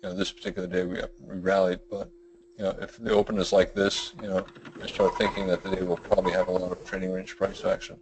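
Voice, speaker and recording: Low-voiced monotone man teaching a webinar. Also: quick pace, background noise. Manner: rambling, with many fillers and restarts. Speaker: trading educator presenting a webinar. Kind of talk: webinar lecture.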